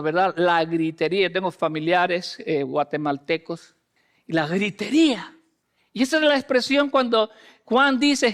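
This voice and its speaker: A pastor delivers a dramatic sermon in a strikingly high, smooth and resonant voice. He swings between loud emphasis and hushed lines and acts out the voices of the people in the scripture. He drops English fillers into his speech now and then.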